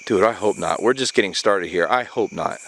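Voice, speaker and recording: A man's voice: fairly low pitch, a little fast, a bit bright, slight background noise. A man talking casually as an adventure vlogger, recorded outdoors at night in the jungle. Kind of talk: casual hushed talk to camera and companion while night camping. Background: crickets and insects.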